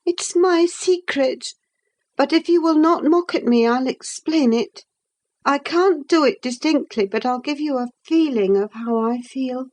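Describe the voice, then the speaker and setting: A woman's voice: high-pitched, unhurried, darkish tone, voice pushed up. A woman reading a passionate, moody young woman in an audiobook, speaking in an impassioned, emphatic way. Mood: intense. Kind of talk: audiobook character voice.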